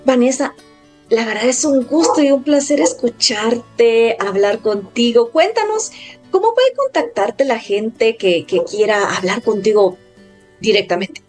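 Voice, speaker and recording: A woman's voice: fairly high pitch, lively intonation, unhurried, a little mellow, soft background music. A woman hosting a radio call-in show, addressing listeners directly with promotional announcements.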